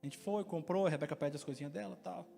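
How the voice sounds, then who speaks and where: A Brazilian man preaching a sermon as pastor, with impassioned delivery that climbs to loud, emphatic peaks. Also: on the high side, fast, gravelly. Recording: reverberant hall with faint music.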